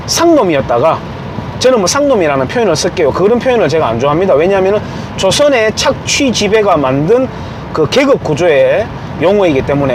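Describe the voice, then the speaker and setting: A man's voice: high-pitched, noisy background. A man giving an informal, emphatic opinion monologue. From Gyeongju, South Korea. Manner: emphatic, acts out quoted remarks. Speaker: commentator.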